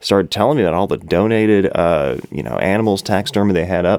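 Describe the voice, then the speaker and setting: A man with an American accent talks fairly quickly in an ordinary speaking voice, his pitch fairly low and his intonation lively. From US South. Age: 40s. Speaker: podcast host. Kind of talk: monologue storytelling. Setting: studio.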